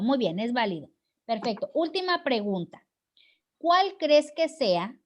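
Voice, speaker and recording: A woman teacher leading an online class discussion, encouraging students and tagging her points with "right?". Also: a little high. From Mexico. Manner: encouraging, frequent "¿verdad?" tag questions. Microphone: video call.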